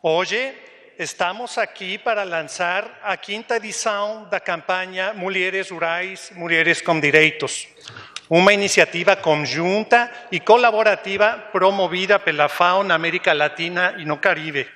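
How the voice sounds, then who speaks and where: A man's voice: high-pitched, sharp tone. Man reading a speech in a hall. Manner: measured reading with some restarts. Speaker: UN agency representative. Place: large hall. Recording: distant mic in a reverberant hall.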